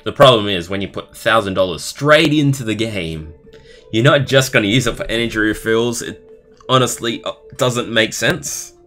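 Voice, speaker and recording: A man's voice: on the low side, normal speed, fairly bright tone, faint music behind. A man livestreaming, reading aloud expressively with casual asides and commentary of his own. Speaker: streamer.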